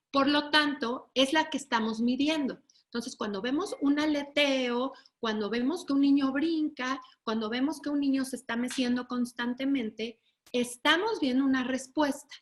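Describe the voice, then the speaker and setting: A woman delivers a webinar lecture in a high, bright-pitched voice. She explains patiently and keeps checking in with her listeners. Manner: explanatory, asks the audience "¿sí?" to check understanding; acts out children and parents in raised voices.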